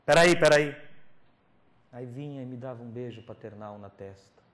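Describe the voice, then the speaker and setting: A male preacher telling a personal testimony at a youth camp, acting out scenes with sudden drops to whispers and loud pleading cries. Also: medium pitch, fairly even intonation, fairly quick. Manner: dramatic storytelling, swinging from whispers to loud pleading. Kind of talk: testimony sermon. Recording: roomy hall recording with faint noise.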